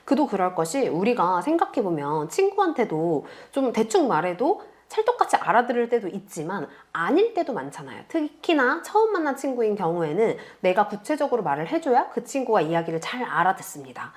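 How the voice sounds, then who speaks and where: Patient woman tutor, lively pitch. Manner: patient, explains slowly to beginners. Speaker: online tutor. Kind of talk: step-by-step screen tutorial.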